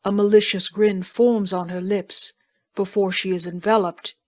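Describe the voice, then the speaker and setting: A woman reading scripted narration for an audio drama in a measured, descriptive storytelling manner. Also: medium pitch, flat delivery.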